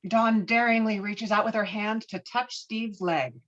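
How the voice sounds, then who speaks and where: A woman's voice: mid-range voice, steady tone, a little slow, lo-fi sound. A woman giving scripted narration of a screenplay, reading out scene headings and action. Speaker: stage directions narrator.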